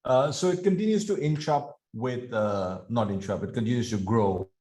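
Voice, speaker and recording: A man answering analyst questions on an earnings call as a company executive, explaining in a measured, hesitant way. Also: medium pitch, mellow.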